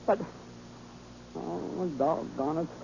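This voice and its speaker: An actor playing Windy Wales, a boastful, folksy old cowboy sidekick in a 1940s radio western, full of drawling bluster and cackling laughs. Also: male voice, a little high, very slow, vocal fry, dark tone, exaggerated voice. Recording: dull old radio transcription with faint hiss.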